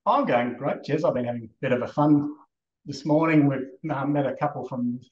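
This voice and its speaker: A man co-hosting a podcast, telling a story in a relaxed, casual way. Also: medium pitch, moderate pace. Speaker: podcast co-host. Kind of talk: casual chat. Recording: distant, roomy, dull call audio.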